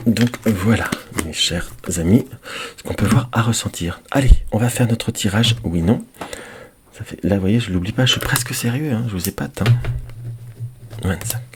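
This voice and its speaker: A hoarse man giving a chatty weekly tarot reading to his viewers, speaking into a desk microphone. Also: fairly low pitch, background noise. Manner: chatty, addresses viewers as dear friends; counts cards aloud softly. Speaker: tarot card reader. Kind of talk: weekly tarot guidance video.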